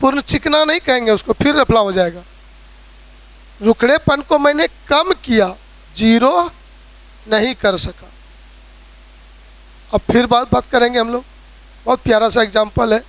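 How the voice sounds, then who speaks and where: A man's voice: very high voice, moderate pace, pauses often, a bit bright. A man with a Bihari Hindi accent teaching a physics lesson, explaining with everyday examples and often checking in with his students. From Bihar, India. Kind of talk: classroom lecture.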